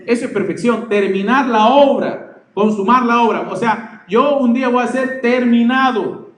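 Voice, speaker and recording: A pastor from Peru preaches in a church hall, his Peruvian Spanish accent clear as he hammers home each point, repeats words, and keeps asking "¿ve?" to check that listeners follow. His male voice sits at an extremely high pitch, a bit bright, at a normal pace. The echoey hall leaves faint ambience in the recording.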